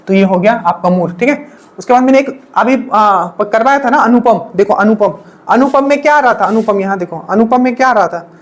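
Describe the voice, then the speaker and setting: A woman's voice: a little high, brisk. A woman teaching an exam-prep lesson, repeating each memory trick and checking in with the class again and again. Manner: repetitive drilling, frequent checking-in asides.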